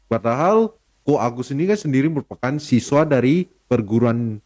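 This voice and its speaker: A man's voice: medium pitch, animated, normal speed, darkish tone. A young adult man hosting an interview, asking questions in a polite, formal and encouraging way. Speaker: host.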